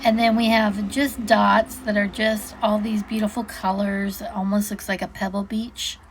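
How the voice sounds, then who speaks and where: A woman's voice: medium pitch, flat delivery, normal speed, a little hiss or hum. A woman giving a casual, unscripted product walk-through, chatting and musing aloud as she goes, often interrupting herself.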